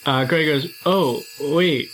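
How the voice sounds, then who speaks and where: A man playing a tabletop game, improvising and describing his character's moves in a halting, tentative, casual way. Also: on the high side. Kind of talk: casual improvised roleplay and narration. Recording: faint music under the voice.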